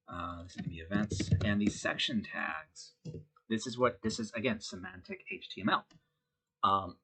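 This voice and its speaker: Congested low-voiced man coding aloud. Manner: relaxed, thinking aloud with many fillers. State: congested from a head cold. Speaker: web design instructor. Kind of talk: screen-recorded coding tutorial.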